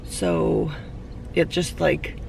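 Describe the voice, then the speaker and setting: A woman with a hoarse, fading voice, chatting candidly into a handheld camera for her vlog outdoors. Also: sits low, animated, very slow, a little mellow. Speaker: vlogger. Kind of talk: casual vlog talk. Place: outdoors near traffic and parking lots. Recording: distant mic with street noise.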